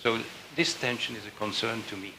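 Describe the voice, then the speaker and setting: A man's voice: fairly low pitch, a little fast, background noise. A man putting a direct, blunt question to a panel from the audience. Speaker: audience member.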